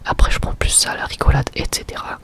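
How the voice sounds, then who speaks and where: A young adult man gives an informal, slangy ASMR review in a breathy, unvoiced whisper. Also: fast, a bit bright. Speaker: ASMR creator and anime reviewer.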